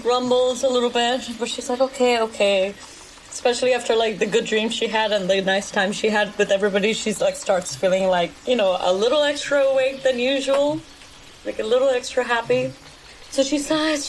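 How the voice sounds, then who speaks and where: A woman playing a tabletop role-playing game, describing her character in a casual, expressive, improvised way. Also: fairly high pitch, a little hiss or hum, rough recording.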